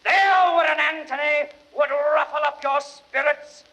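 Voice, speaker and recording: An actor playing a grieving Roman orator rousing a crowd in impassioned theatrical Shakespearean declamation. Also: male voice, very high-pitched, fairly even intonation, creaky, heavily acted. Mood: rousing, fiery. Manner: impassioned, drawn-out, swelling from hushed to shouted.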